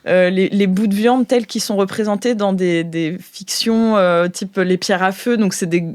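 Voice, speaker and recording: Woman, game master. Mid-pitched, dry close sound, hesitant improvised scene-setting for a role-playing session. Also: steady tone, a little slow, a little mellow, dry recording.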